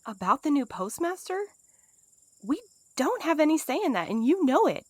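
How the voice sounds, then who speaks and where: A woman's voice: high voice, very animated, normal speed, darkish tone, no room sound, studio quality. A woman playing a cautious, challenging, no-nonsense character in an audio drama. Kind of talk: audio fiction drama acting.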